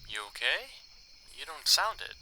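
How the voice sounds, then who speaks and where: A man's voice: fairly high pitch, big pitch swings, normal speed, sharp tone, heavily acted, poor audio. A man playing a casual, affectionate, teasing husband pony in an amateur audio drama.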